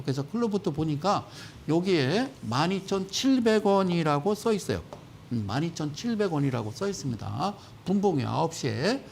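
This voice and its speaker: A man giving stock market commentary on a broadcast, animated and sarcastic. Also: a little high, creaky, a little hiss or hum. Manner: animated, sarcastic, acts out quoted voices.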